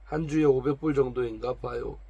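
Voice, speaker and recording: A man's voice: mid-range voice, fairly even intonation, fairly quick, creaky, breathy edge, no room sound, muffled recording. A man reading aloud the lines of a proud, complaining woman of 45 from a noble family. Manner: complaining, defensive, pleading.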